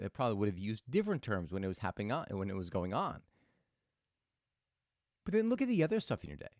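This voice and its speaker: A man speaks in a reflective, motivational way, telling stories and often restarting his sentences. His pitch swings widely as he talks. The sound is dry and close, with no room around it. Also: a little mellow, no echo. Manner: thoughtful, storytelling, with restarts. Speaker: host.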